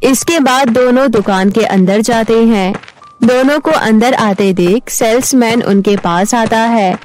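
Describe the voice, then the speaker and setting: A woman narrating an animated children's story in a calm storytelling way. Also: a little high, unhurried, soft background music.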